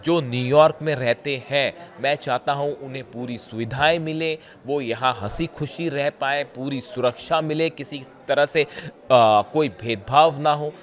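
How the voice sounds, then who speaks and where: A hoarse man giving conversational news commentary straight to his viewers, pausing often and pointing things out as he explains. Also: mid-range voice. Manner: conversational, often says "dekhiye", frequent filler pauses.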